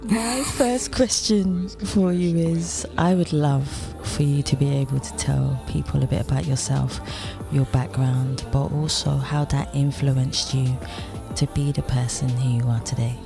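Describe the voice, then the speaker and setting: A woman's voice: rumbling low, steady tone, a little slow, creaky, over music. A woman hosting a podcast, chatty and bubbly, often laughing. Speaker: podcast host.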